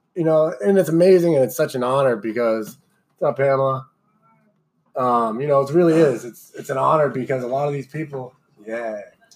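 A man's normal speaking voice, fairly high-pitched and fairly quick, with ordinary pitch variation. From Massachusetts. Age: 30s. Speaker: charity cyclist, military veteran. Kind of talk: interview.

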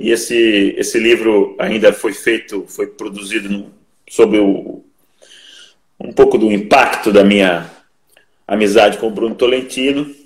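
Long, frequent pauses break up a man's fairly slow speech. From Bragança Paulista, São Paulo state, Brazil. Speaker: poet. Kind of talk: casual interview conversation. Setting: online live stream. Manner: hesitant, many fillers.

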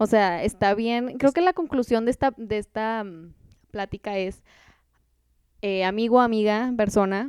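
A woman's fairly high voice, fairly slow with long, frequent pauses and ordinary pitch variation, in a dry, close sound with no echo. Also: very clean recording, silent background. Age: 20s. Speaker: university student podcaster. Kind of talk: casual chat.

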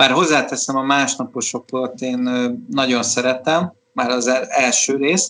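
The speaker is a man with a medium pitch. He talks at a very slow pace with fairly even intonation. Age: 30s. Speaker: film podcast host. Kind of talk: casual chat; scripted narration. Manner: halting.

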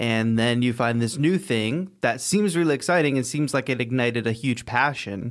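An unremarkable speaking voice, this man talks at medium pitch with ordinary pitch variation and hardly any pauses. His loudness stays very even. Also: moderate pace. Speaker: podcast and livestream host. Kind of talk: casual interview chat. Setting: online livestream.

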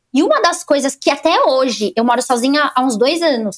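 Her high-pitched voice moves at a fairly quick pace with lively intonation as this woman speaks. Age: 30s. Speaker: comedian and screenwriter. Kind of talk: casual chat.

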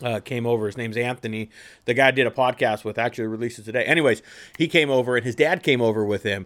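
A man talks at a very fast pace and a medium pitch, with ordinary pitch variation. The recording is very clean, with a silent background. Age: 40s. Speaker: motorcycle podcast host. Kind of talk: casual chat.

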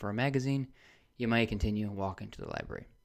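A man speaks with an American accent and fairly even intonation. The recording is very clean with a silent background. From Indiana, US Midwest. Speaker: fitness podcast host. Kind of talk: solo commentary reading a news article. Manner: casual with frequent fillers.

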